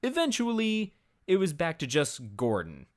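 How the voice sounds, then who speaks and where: Dramatic storyteller voice, super animated pitch, reading a funny story all serious and theatrical. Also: measured pace. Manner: theatrical, grave storyteller delivery. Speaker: narrator.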